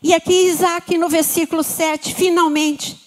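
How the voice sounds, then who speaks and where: A woman's voice: extremely high pitch, level tone, measured pace. A woman with a Brazilian Portuguese accent preaching a sermon with fervor and calling out to her congregation. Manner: fervent, call-and-response with the congregation.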